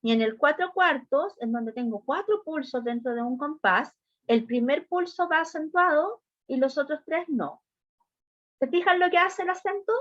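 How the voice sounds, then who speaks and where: A woman with a high voice teaches a music class, explaining each idea patiently and stopping often to ask whether her students are following. The sound is dry and close, with a dull, lo-fi tone. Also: expressive, normal speed, a bit bright, no echo. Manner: patient step-by-step explaining, often checking understanding with short questions. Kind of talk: online class lesson.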